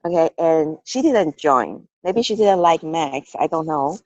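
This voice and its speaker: A woman's voice: sits low, animated, measured pace, no echo. Taiwanese woman, candid, chatty storyteller. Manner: candid, laughing, with hesitant restarts and "okay" fillers. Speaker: interviewee. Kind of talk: casual interview. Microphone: call recording. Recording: dull lo-fi call audio.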